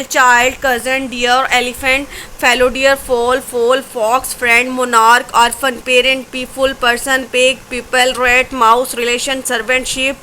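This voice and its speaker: A woman teaching a grammar lesson, explaining in Hindi-Urdu and reading rules and word lists aloud slowly. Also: high voice, sharp tone, a little hiss or hum, rough recording. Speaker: English teacher.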